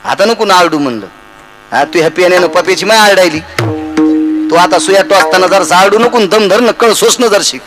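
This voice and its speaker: A man's voice: sits high, fairly quick, loud music behind the voice, poor audio. A man telling humorous stories in a kirtan sermon, acting out the voices of the people in them. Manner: animated, acts out voices in anecdotes. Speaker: kirtan preacher. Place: devotional gathering, live audience.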